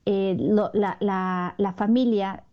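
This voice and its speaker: A woman from Mexico with a Mexican accent giving a Catholic religious talk, pausing often with fillers and repeated words. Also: mid-range voice, fairly even intonation. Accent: Mexican Spanish. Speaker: Catholic speaker. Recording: dull lo-fi recording.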